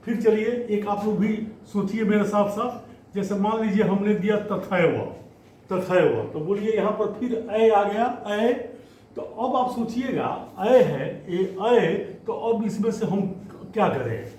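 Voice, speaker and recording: A man teaching Hindi grammar to students, explaining slowly and often stretching out words as he goes. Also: high-pitched, darkish tone. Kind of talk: classroom lesson. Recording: echoey room, faint ambience.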